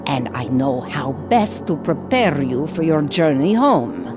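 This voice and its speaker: A woman's voice: low voice, very animated, measured pace. A woman voicing a wry, bossy gypsy fortune teller in a video game, with a theatrical, knowing manner. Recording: music behind the voice. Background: music.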